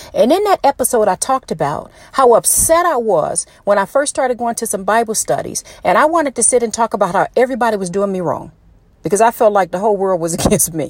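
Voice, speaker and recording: Loud and animated, a woman talks at a very fast pace with a fairly high pitch and very wide pitch swings, in a dry, close sound with no echo. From US South. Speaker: podcast host, inspirational speaker. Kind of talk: motivational monologue. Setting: in a car.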